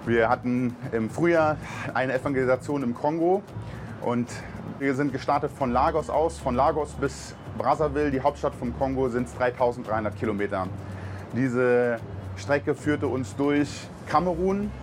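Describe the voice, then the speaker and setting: A man from Berlin, a truck driver on a mission team, gives an earnest, heartfelt personal testimony with many fillers. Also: medium pitch. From Berlin, Germany. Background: music.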